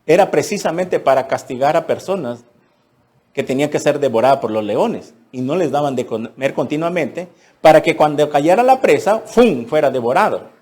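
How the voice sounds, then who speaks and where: A man preaches a sermon, his voice sitting fairly high. He reads scripture and then retells it dramatically in everyday speech, slipping into the characters. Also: expressive, normal speed, a little mellow. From Mexico. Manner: dramatic, acts out the king and Daniel in voices; reads scripture aloud then explains it plainly. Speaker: pastor.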